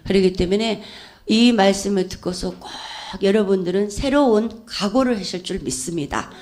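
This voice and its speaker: A woman preacher delivers a heartfelt church testimony. She moves between fervent, loud exhortation and quiet, intimate storytelling. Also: medium pitch. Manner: fervent, swings from loud urging to hushed storytelling. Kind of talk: emotional church testimony sermon.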